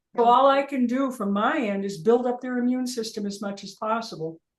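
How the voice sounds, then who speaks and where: The pace is moderate and the pitch variation ordinary. It is a woman with an ordinary speaking voice. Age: 60s. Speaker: fine artist and abuse survivor. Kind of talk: casual chat.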